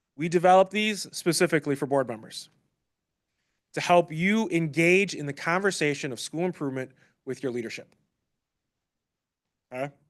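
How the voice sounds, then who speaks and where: With a fairly high pitch and ordinary pitch variation, a man's voice comes through over a quiet background. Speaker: education trainer presenting to school board. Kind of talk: presentation. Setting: boardroom meeting. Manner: fast.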